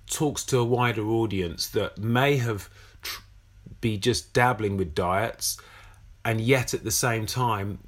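A man with a fairly low voice hosts a podcast conversation. He is supportive of his guest and hesitates now and then with fillers and restarts. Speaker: podcast host. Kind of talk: casual conversational interview.

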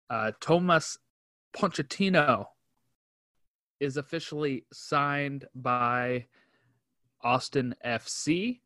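Bright-voiced man co-hosting a podcast. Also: mid-range voice, no room sound, studio quality. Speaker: podcast co-host. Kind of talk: casual sports podcast chat.

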